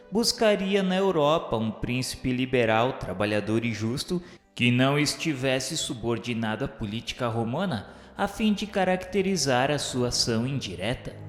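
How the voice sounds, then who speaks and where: A man with a Brazilian accent reads scripted radio novela narration in a solemn, formal, measured manner. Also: mid-range voice. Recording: echoey reverberant voice over music. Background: music bed.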